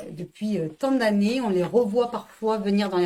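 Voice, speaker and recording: Against noticeable background noise, a woman with a southern French accent talks at a fairly quick pace with ordinary pitch variation. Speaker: director of a teacher exam prep company. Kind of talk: online information session. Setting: live stream. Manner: hesitant, many fillers.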